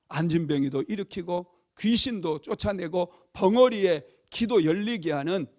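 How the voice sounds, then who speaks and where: A male pastor delivering a Sunday sermon, telling a Bible story dramatically and raising his voice to act out cries. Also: sits high. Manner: dramatic storytelling, loud acted cries for emphasis.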